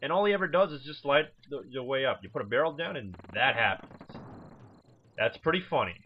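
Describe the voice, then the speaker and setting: A man's voice: medium pitch, expressive, brisk, a little hiss or hum. A man giving casual, rambling video game commentary as a let's player, informal and prone to swearing. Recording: dull lo-fi mic over game music. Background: video game music.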